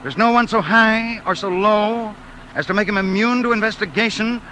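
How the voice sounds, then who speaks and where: An actor playing an arrogant, unyielding political investigator in a 1950s radio drama, talking in a cold and domineering way. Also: male voice, high-pitched, normal speed, bright, forceful tone, rough recording. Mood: fervent. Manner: cold and domineering, rising to fervor. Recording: faint hiss of an old radio broadcast.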